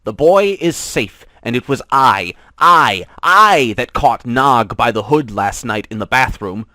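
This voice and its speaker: A man's voice: mid-range voice, lively intonation, a little slow, no echo. A man voicing a bold, boastful mongoose. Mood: triumphant. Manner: loud, triumphant cries. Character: brave, boastful young male mongoose. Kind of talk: storybook reading.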